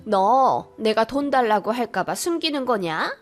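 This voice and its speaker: A woman's voice: fairly high pitch, sing-song, measured pace. Woman reading as a pushy scheming mother-in-law. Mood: accusing. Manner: pushy, lecturing.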